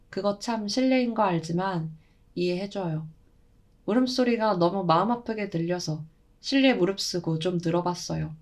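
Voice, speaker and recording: A woman's voice: mid-range voice, darkish tone, close to an everyday voice. A woman voicing a talkative middle-aged mother who speaks in a friendly, coaxing way.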